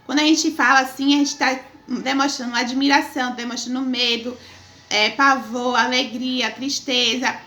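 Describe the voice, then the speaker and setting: High, bright-voiced woman teacher. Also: steady tone, moderate pace. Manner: affectionate, calls herself auntie, stretches words for children. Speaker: primary school teacher. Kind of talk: remote video lesson for young children.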